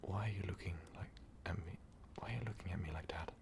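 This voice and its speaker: Here the vampire conqueror is anguished and disbelieving, still addressing the listener in a low, breathy, gravelly whisper. A man delivers this intimate ASMR roleplay in slow, halting, formal confession, against a noisy background.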